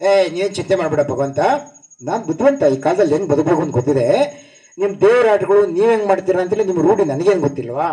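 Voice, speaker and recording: A man's voice: high-pitched, animated, fast talker, dark tone. A man voicing a poor woodcutter farmer who pleads tearfully with god, in a told folk tale. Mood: cocky.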